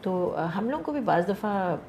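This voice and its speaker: An older woman, a television actress telling lively stories in a casual interview and mixing English into her Urdu. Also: mid-range voice, slight background noise. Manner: animated storyteller, mixes English into Urdu, laughs often.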